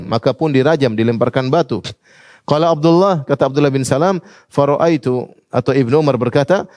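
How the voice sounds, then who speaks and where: An Islamic preacher gives a religious lecture in a mid-range, darkish voice, recorded dry with studio quality. He recites Arabic passages and translates each one, and he asks his listeners questions.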